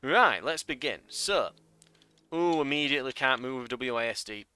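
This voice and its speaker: A man's voice: mid-range voice, animated, moderate pace, pushed and bright, smooth. A man giving casual let's play commentary, thinking aloud in a wry way.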